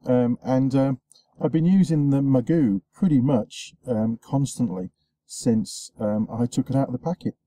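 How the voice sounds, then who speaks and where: A man's voice: medium pitch, a little slow, warm tone, no echo. A man in his forties with a sore throat, chatting in a rambling vlog from inside a parked car, close to the camera. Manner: rambling, chatty, lots of ums and uhs. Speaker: show host. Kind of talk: casual vlog chat. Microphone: camera facing him at close range.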